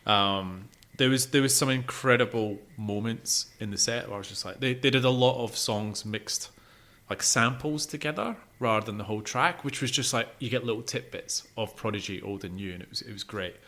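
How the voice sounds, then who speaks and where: Guy podcast cohost just chatting about gigs, pretty bright forceful voice. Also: mid-range voice, moderate pace. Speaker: podcast co-host. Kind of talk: casual chat about gigs.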